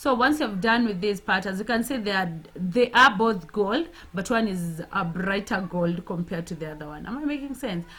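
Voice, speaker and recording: With a Kenyan accent, a woman of medium pitch speaks at a moderate pace with lively intonation and big swings in loudness, over noticeable background noise. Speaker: DIY and home decor vlogger. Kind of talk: tutorial; casual chat. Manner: halting.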